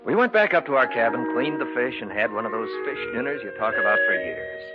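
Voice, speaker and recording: An actor narrating and playing the lead in a 1940s radio drama, telling the story plainly. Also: male voice, mid-range voice, animated, a little fast, highs cut off, close to an everyday voice. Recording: old radio broadcast with music.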